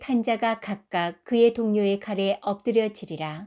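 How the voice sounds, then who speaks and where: Speaking at a very slow pace, a woman with a fairly high, dark, mellow voice shows ordinary pitch variation in a very clean recording with a silent background. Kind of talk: scripture reading in church.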